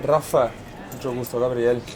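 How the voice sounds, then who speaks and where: The host of this street travel vlog is a Brazilian man, a native Portuguese speaker whose Brazilian accent comes through as he chats casually. His mid-range voice shows little pitch movement and moves at normal speed. He's outside in the city, with busy crowd noise behind him.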